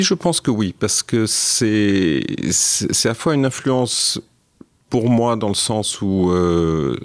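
A man being interviewed as a guest, speaking in a halting, hesitant way with many restarts, and sounding a little tired. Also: low voice, no echo. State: a bit tired. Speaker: NGO co-founder, guest. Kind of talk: interview conversation.

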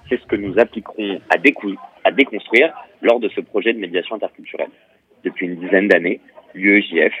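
Man, low husky voice, reading a report, tinny phone line. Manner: reads a prepared statement with small stumbles. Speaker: correspondent.

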